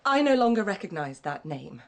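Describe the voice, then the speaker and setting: Proud snippy baroness, clipped lines, radio drama. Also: female voice, medium pitch, sing-song, fairly quick, gravelly. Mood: haughty. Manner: haughty, clipped. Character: proud wronged baroness, haughty and curt.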